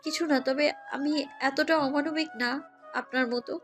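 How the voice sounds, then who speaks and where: Girl acting angry young wife in a romance audio drama, really high voice, telling someone off, faint music under. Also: fairly even intonation, normal speed, fairly bright tone. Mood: angry, stern. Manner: scolding, indignant. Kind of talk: romantic audio story dialogue.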